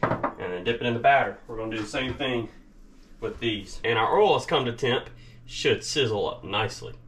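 Man over clearly noisy audio. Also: mid-range voice, animated, normal speed, fairly bright tone. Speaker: fishing and cooking vlogger. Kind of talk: casual instructional narration while working. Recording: noisy action-camera audio, outdoors and kitchen.

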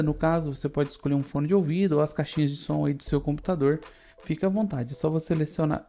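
A man in his thirties with a Brazilian accent giving a casual software tutorial on a USB microphone in a studio. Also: on the high side. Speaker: tutorial presenter. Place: studio indoors.

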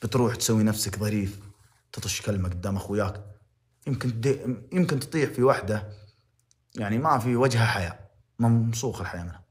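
A young man with a Saudi Arabic accent delivers passionate, moralizing commentary on a livestream. His voice is fairly low and fast, with long pauses, and he repeats phrases to drive his point home.

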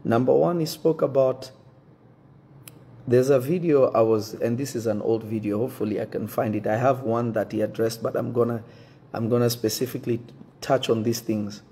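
Earnest, husky-voiced pastor, French native speaker. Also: male voice, medium pitch, fairly even intonation, warm tone. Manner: earnest, measured, restarts to pick his words. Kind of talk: direct-to-camera address to his congregation. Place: indoor room with wooden shelves.

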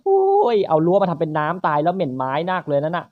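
A gaming channel host, giving playful, crude let's-play commentary in quick teasing banter. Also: dry recording, phone-quality sound. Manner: crude, teasing, rapid banter with frequent high laughs.

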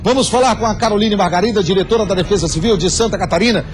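A man's voice: sits high, rapid-fire. A middle-aged man presenting TV news as an anchor in a studio. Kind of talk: news presenting with live interview. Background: music under the voice.

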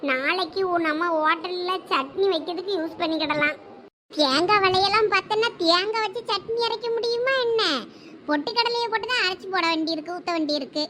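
A woman's voice: very high voice, a little fast, background noise. A woman playing a sly coconut-grabbing schemer. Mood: scheming. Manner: sly, plotting aside.

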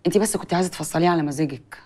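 A woman's voice: lowish voice, rapid-fire, dark tone, lightly acted. An actress as a stern scolding Egyptian woman. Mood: reproachful. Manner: reproachful. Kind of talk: TV drama acting.

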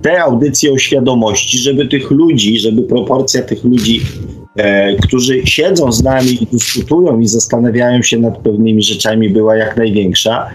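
A man hosting a reflective radio discussion, speaking haltingly and often adding tag questions. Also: mid-range voice, a little hiss or hum, rough recording.

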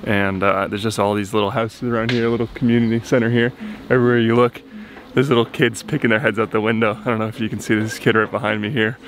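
Earnest young male vlogger, slightly low voice, camera held at arm's length, faint outdoor hiss. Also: flat delivery, fast talker. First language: English. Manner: earnest, talks straight to camera. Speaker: vlogger, coffee company founder. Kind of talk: casual vlog to camera. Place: outdoors on a rural road and in a car, then a village.

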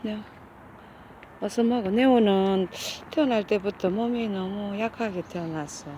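Woman, middle-aged, slow-paced, coaxing and affectionate, outdoors. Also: mid-range voice, dark tone, muffled recording, slight background noise. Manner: coaxing, affectionate, calls the cats over and over. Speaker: cat caretaker and channel host. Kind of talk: casual talk while feeding cats. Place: outdoors on a wooded hillside.

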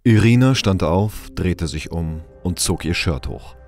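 A man's voice: deep voice, animated, a little slow, darkish tone, faint music behind. A man reading scripted, descriptive narration for a sci-fi audio drama.

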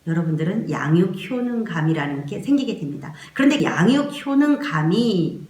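A woman's voice: on the low side, lively intonation, normal speed, darkish tone, roomy sound. A woman giving a spoken parenting lesson, explaining earnestly and acting out the soothing words she would say to a crying baby. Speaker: parenting educator.

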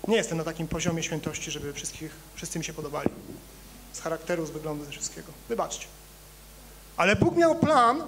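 A male pastor preaching to his congregation in a church, with a fairly high voice. He talks in a conversational way, rising loud and emphatic, then dropping to quiet, low asides. A faint hum sits under the recording. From Poland. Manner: conversational, addresses congregation directly with humor. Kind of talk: sermon.

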